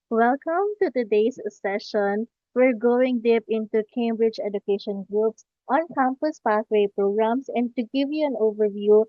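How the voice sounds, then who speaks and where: A woman's voice: on the high side, warm tone. A woman hosting an online webinar in a polite, formal manner. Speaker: webinar host. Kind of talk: formal webinar introduction and chat. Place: indoors on an online video call. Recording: muffled, roomy online call audio.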